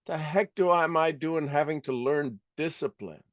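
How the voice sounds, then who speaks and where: Man, fairly high voice, dry close sound, running a live self-improvement seminar; punchy and repetitive, with offhand jokes. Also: normal speed, dry recording. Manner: emphatic, repeats key words, casual asides. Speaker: motivational workshop speaker. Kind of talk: live seminar teaching to an audience.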